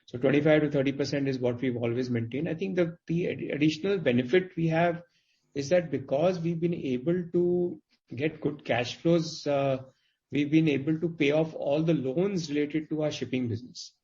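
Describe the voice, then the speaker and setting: A man speaking as a company executive on an earnings call, explaining things in a halting, qualified way over conference audio. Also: on the high side, fairly even intonation, warm tone. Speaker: company executive answering investors' questions. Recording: dull, band-limited conference call audio.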